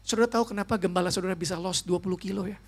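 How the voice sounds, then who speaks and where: Gravelly-voiced male pastor preaching emphatically. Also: sits high, fairly even intonation, racing. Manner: emphatic, mixes English phrases into his talk, often addresses listeners as "saudara". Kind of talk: sermon.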